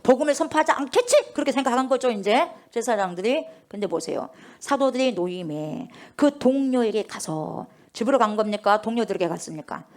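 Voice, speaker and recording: Woman pastor preaching, animated and questioning the congregation throughout. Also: fairly high pitch, a little fast, hardly any pauses. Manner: rhetorical questions, constantly addressing the congregation. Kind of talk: sermon.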